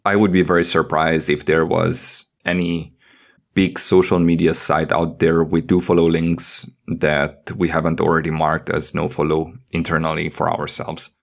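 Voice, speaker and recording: A man co-hosting a podcast, talking and reading aloud with a gravelly, creaky voice. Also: very deep voice, flat delivery, normal speed. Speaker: podcast co-host. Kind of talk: casual panel chat with some mock-dramatic reading.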